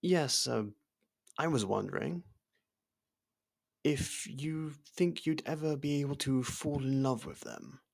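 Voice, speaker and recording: A man playing a loyal servant and close friend to royalty in an ASMR roleplay, hesitant, deferential and familiar, gently teasing. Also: mid-range voice, very animated, takes it slowly, vocal fry, pauses often, heavily acted. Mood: supportive, hesitant. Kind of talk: ASMR roleplay audio drama.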